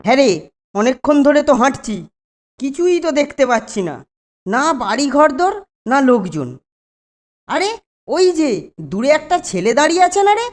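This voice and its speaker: Reluctant cartoon boy, grumbling, high-pitched, animated intonation, exclamatory. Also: moderate pace, pauses often, faint music behind. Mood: doubtful. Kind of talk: children's cartoon dubbing.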